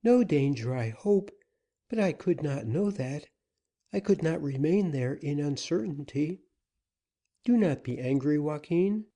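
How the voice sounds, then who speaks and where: A man's voice: a little high, expressive, a little slow, dark tone, voice pushed up. Anxious young woman in a storybook, raised voice, breathless pleading, a man reading her.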